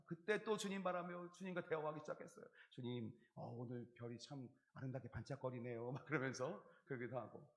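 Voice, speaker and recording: A male pastor preaching in a fairly high voice, telling a personal story with vivid acted-out inner thoughts. The sound is roomy, with the echo of a church sanctuary carrying each phrase. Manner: storytelling, acting out his own inner dialogue and singing hymn lines. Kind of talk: sermon. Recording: echoey church hall recording.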